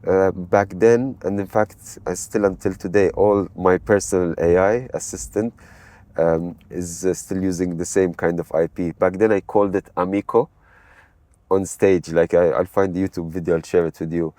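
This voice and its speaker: A middle-aged man from Malta talks as a podcast guest in a low, warm voice. He tells his stories in a rambling, animated way, in relaxed interview chat. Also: normal speed. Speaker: guest, AI expert.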